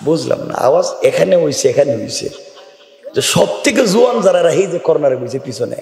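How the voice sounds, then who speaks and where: A man's voice: on the high side, big pitch swings, moderate pace, vocal fry. A man preaching a sermon to a large gathering, theatrical and teasing, acting out voices and prompting the crowd to answer. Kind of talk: sermon at an outdoor religious gathering. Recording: echoey, reverberant PA sound from far.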